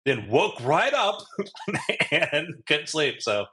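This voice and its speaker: Dry, bright-voiced man chatting. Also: fairly high pitch, sing-song, takes it slowly. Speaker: podcast co-host. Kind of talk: casual chat.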